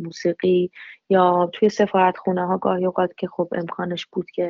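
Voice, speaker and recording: A woman's fairly low voice, monotone and flat, at a moderate pace. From Iran, Shiraz. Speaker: singer. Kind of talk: interview.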